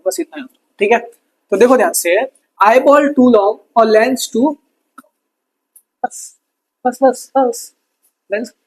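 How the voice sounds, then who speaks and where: Husky-voiced male science teacher. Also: sits high, poor audio. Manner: lively, calls students "bhai", asks and answers own questions. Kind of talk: exam revision lesson.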